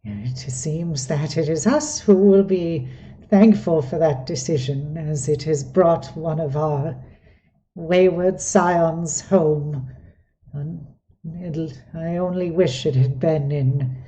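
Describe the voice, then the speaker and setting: Woman doing an elderly goblin chief, formal, soft-spoken, low and unhurried, mellow tone, dull lo-fi sound. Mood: courteous.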